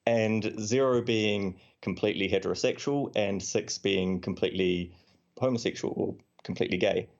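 A man's voice: on the low side, moderate pace. A man with a New Zealand accent, a podcast guest chatting casually and explaining things with dry jokes. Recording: dull lo-fi audio.

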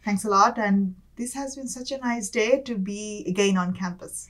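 A woman's voice: medium pitch, moderate pace, a bit bright. A woman in her thirties from Bangladesh with a Bangladeshi accent, a business school student chatting as an interview guest, often saying "like" and "kind of". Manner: chatty, frequent "like" and "kind of", light laughs. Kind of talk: conversational interview.

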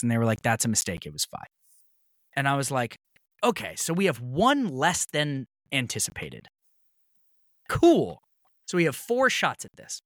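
A man in his thirties from Maine, recorded dry and close as a podcast guest. His pitch swings widely as he tells a story, and he gets heated, swearing freely and acting out what others said. His voice sits in a middle register for a man. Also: fairly bright tone, no echo. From Maine, USA. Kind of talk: casual storytelling conversation.

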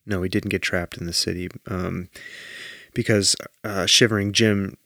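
Brief: male podcast co-host, low gravelly voice, deadpan rambling storyteller, dry close sound. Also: moderate pace, dry recording. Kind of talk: casual chat.

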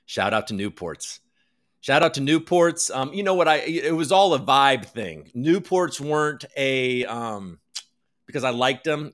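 A man's voice: medium pitch, fairly bright tone. A man hosting a crypto news livestream, chatting casually in a rambling, self-deprecating way and swearing freely. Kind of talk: casual chat.

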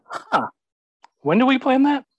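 Young male co-host, animated and teasing, dry close-mic sound. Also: very high voice, unhurried, no room sound. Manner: playful, teasing. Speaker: podcast co-host. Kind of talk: casual chat.

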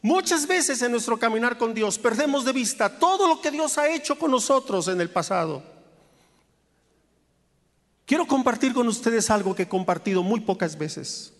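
High-voiced male pastor in a reverberant church. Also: animated, normal speed. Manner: earnest, heartfelt testimony building to fervent exhortation. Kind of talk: sermon. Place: church sanctuary. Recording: long reverb of a church hall.

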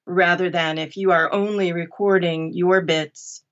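A woman with a slightly low voice chats as a podcast guest, giving practical advice. The sound is a bit muffled and lo-fi. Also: fairly even intonation, measured pace. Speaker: podcast guest, audiobook narrator. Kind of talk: interview conversation, giving advice.

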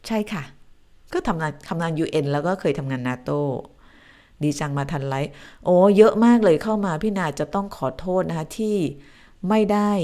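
A woman hosts a live stream from her home, with a voice that sits a little low. She moves from summing up the news to easy, chatty talk with her viewers, greeting and thanking them by name. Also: a little mellow.

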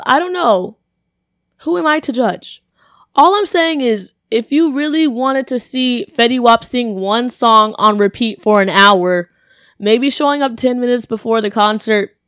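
A young woman, a college student, telling a story in casual chat, her voice deeper than usual and a bit congested, with lots of "like" and acted-out quotes. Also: no echo, studio quality. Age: young adult. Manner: chatty, animated, lots of "like", acts out quotes.

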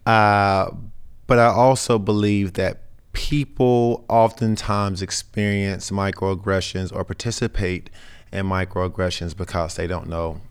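A young man with a very deep, resonant voice, roughened into raspiness by a sinus infection. He talks earnestly as an interview guest, choosing his words with care. He leans on fillers and restarts. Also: steady tone, unhurried. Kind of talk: casual conversational interview.

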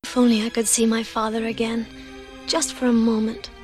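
A soft, sorrowful young princess, played by a woman, speaks of missing her father in a film clip. Her voice sits fairly high but stays level and even, with gentle music behind her. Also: moderate pace, close to an everyday voice. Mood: wistful.

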